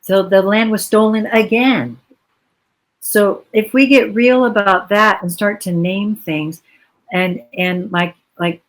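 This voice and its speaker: A woman's voice: medium pitch, rough recording. Earnest woman speaking on a video-call panel. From United States. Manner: earnest and reflective, long flowing explanations. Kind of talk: virtual panel discussion.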